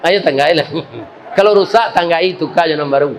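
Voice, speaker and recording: A man's voice: a little high, brisk, some chatter behind. A man with a Minangkabau accent preaching a humorous sermon, telling a story and making joking asides to the congregation.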